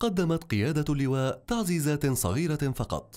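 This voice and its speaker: A man talks at a moderate pace. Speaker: voice-over artist. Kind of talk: documentary narration.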